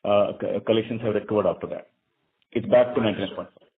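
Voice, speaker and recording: Indian guy exec on an earnings call, explains stuff haltingly, repeats words, thin phone audio. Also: lowish voice, steady tone. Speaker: bank executive answering analysts' questions. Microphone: conference call phone line. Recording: narrow tinny phone line.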